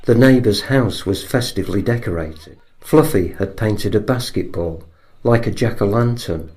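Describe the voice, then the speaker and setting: Male narrator, low pitch, dark mellow tone, scripted comic horror storytelling. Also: normal speed.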